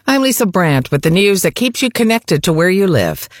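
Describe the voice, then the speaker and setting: A woman reading a local radio newscast in a crisp, practiced way. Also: lowish voice, normal speed, no room sound, studio quality. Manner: crisp, lively newsreader delivery. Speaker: local radio news anchor. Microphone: studio microphone.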